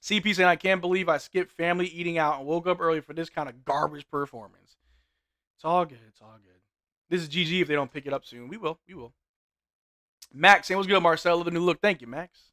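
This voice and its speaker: Young male streamer, bright sharp tone, hoarse voice, casual play-by-play plus chat banter. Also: fairly high pitch, brisk. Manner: play-by-play calls mixed with relaxed banter. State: voice getting hoarse. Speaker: sports watch-along streamer. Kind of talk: live game commentary and chat reading. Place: small indoor room with gaming chair.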